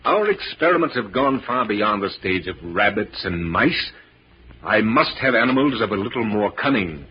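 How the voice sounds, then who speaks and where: An actor playing a megalomaniac, menacing mad scientist in a grandiose 1940s radio drama style, with a husky, raspy voice. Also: male voice, fairly low pitch, expressive, moderate pace. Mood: defensive. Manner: grandiose, theatrical. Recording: muffled, lo-fi old radio recording.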